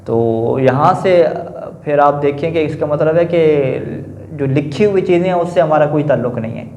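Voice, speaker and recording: A man's voice: a little high, darkish tone, a little hiss or hum. Man lecturing, answering his own questions. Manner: asks the class questions and answers them himself; repeats a confirming filler often. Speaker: teacher. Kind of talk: classroom lecture on Arabic grammar. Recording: echoey room, dull lo-fi sound.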